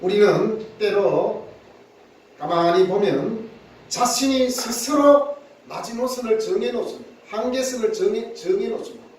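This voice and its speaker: A man's voice: high voice, unhurried, darkish tone, a little hiss or hum. A man, a pastor, preaching an earnest sermon, often repeating words and acting out quotes. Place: church sanctuary. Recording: echoey church hall, mic at a distance.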